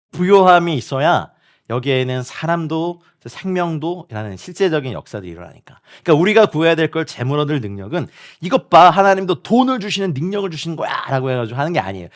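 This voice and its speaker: A man preaching as a missionary at a midweek prayer meeting, speaking directly to the congregation and online viewers and often acting out other people's words. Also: on the high side. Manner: animated, acts out quoted people and laughs often while preaching.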